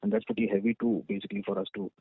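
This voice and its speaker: A man's voice: mid-range voice, sing-song, rapid-fire, creaky, slightly rough, dry recording. A man with an Indian accent putting questions as an investment analyst on an earnings call over a phone line. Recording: tinny narrowband phone line.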